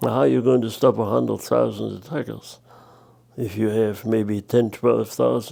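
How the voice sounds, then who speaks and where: Someone speaks with a German accent at a moderate pace, with a dark, mellow tone. The pitch swings very widely. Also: man, fairly low pitch for a man. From Germany. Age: 80s+. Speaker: Korean War veteran, former paratrooper. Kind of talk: interview answer.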